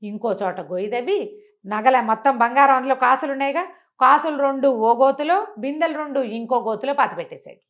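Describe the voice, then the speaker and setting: High-voiced woman telling folk tales. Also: fairly quick, lo-fi sound. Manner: animated, colloquial, explanatory, with rhetorical questions. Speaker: storyteller. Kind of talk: conversational folk storytelling with acted-out dialogue.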